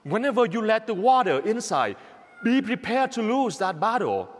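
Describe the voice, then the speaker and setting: A man with a Vietnamese accent, from Vietnam, preaching a Catholic homily in an emphatic, repetitive way with simple, halting English. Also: high-pitched, big pitch swings, big-room sound. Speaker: Catholic priest.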